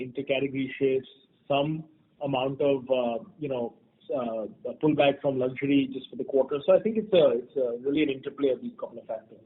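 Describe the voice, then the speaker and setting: A man's voice: mid-range voice, breathy edge. A man answering questions as a company executive on an earnings call, hesitant and repeating his phrases. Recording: dull phone conference line.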